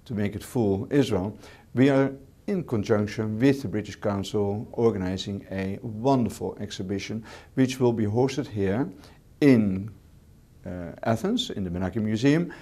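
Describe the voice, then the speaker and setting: In a lowish, warm voice, a hotel manager from the Netherlands answers an interviewer in English as a second language. He is measured and tends to repeat words and use fillers.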